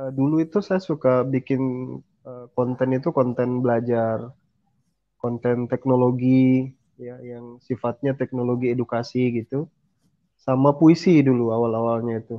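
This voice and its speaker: The voice has a Makassar accent. Its loudness swings widely. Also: man, medium pitch for a man, fairly even intonation, moderate pace. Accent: eastern Indonesian (Makassar). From Makassar, Sulawesi, eastern Indonesia. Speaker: Islamic preacher and debater. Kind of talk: casual interview.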